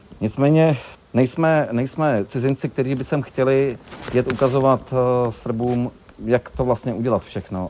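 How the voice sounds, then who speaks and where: A man talks very slowly as noticeable background noise plays. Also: medium pitch for a man, ordinary pitch variation. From South Moravia, Czech Republic. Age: 30s. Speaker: charity walker. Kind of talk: interview.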